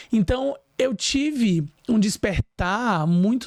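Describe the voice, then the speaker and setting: A high-pitched man's voice with lively intonation. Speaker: entrepreneur and digital influencer. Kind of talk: podcast interview. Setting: podcast recording.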